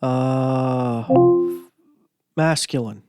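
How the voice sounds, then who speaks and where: Over loud music, a podcast host with a medium-pitched voice talks very slowly as he demonstrates a gadget. His casual tech demo chat rambles and is full of fillers.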